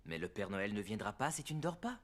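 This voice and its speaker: A man playing a warm, patient father in a French-dubbed children's cartoon, expressive like a storyteller. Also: lowish voice, fast talker. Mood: gentle.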